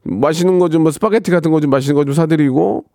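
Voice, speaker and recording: A man's voice: on the high side, racing, dark tone, no echo, studio quality. A man hosting a radio show, reading listener questions and giving blunt, joking advice with many fillers. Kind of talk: casual advice chat.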